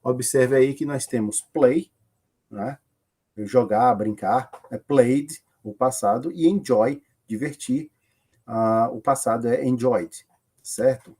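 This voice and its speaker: A man's voice: mid-range voice, slow pace, mellow, husky. A man with a Brazilian accent teaching a lesson, explaining rules step by step and answering his own questions. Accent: Brazilian Portuguese. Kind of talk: recorded classroom lesson.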